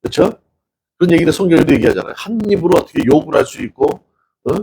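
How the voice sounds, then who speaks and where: A man's voice: on the high side, lively intonation, quick pace, gravelly, mellow, husky. A middle-aged male pastor giving a conversational sermon, chatting with the congregation, asking them questions and acting out little quotes. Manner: chatty, asks the congregation questions, laughs often, acts out quotes.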